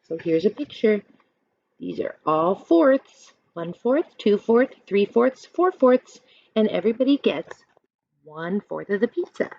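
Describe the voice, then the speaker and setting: A woman in her thirties reading a children's book aloud like a teacher, expressive and instructive, pausing to explain. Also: medium pitch, vocal fry. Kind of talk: read-aloud storytelling with explanations. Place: small furnished room indoors at home. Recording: dull lo-fi webcam sound.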